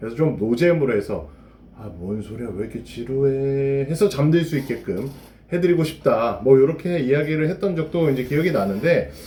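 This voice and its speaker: A man talks at a fairly quick pace in a fairly high voice, with lively intonation and big swings in loudness. Room echo is audible. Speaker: vlogger. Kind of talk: casual monologue vlog.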